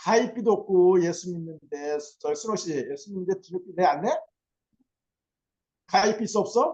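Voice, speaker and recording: A man speaks at a moderate pace in an animated tone. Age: 60s. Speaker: network marketing speaker. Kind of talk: motivational sales talk on video call. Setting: video call.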